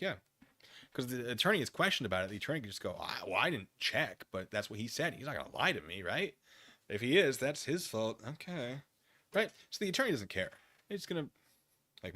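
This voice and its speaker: A man's voice: lowish voice, bright, forceful tone, no room sound. A man streaming off-the-cuff commentary as he reads a document aloud, dropping mocking, theatrical asides. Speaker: commentary streamer, channel host.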